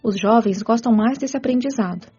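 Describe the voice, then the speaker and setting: An actress playing a kind, patient spirit caretaker who explains rules in a measured, teacherly radio drama delivery. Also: female voice, fairly high pitch, warm tone, breathy edge. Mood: patient, instructive. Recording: muffled audio with music underneath.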